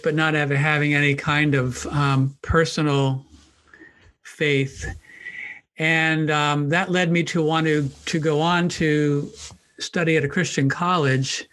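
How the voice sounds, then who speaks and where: A man in his sixties from Maryland, a New Testament professor talking as a podcast guest, measured and thoughtful with frequent restarts. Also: on the high side, fairly bright tone. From Maryland, United States. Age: 60s. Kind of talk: conversational podcast interview.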